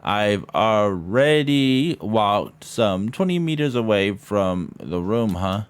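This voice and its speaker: This streamer's voice sits fairly low and flows smoothly in a slow, sing-song way. He translates a visual novel for a casual let's-play, reading it aloud with offhand, irreverent commentary while game music plays behind him.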